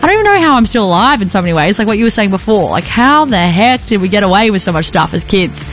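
A husky-voiced young Australian woman hosts an afternoon radio show, chatting in a loose, rambling, upbeat way. She speaks into a studio mic with soft music underneath. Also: mid-range voice, big pitch swings, fast. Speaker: radio host. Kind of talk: casual on-air chat.

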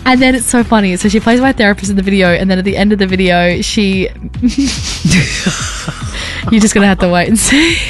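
A woman co-hosting a radio show, bubbly and laughing in breezy banter. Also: medium pitch. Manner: bubbly, laughing, quick to gush. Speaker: radio host. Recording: radio studio with faint music.

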